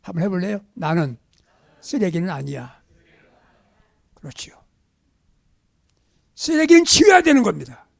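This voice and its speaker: A man preaching a sermon as pastor, emphatic and exhorting, dropping at times to hushed near-whispers. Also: very high voice, no echo, studio quality.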